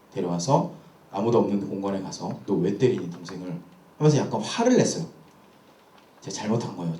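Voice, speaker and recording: A young male pastor with a dark, medium-pitched voice shares a personal story during a sermon. His storytelling is candid and self-questioning, and the recording has the echo of a church hall.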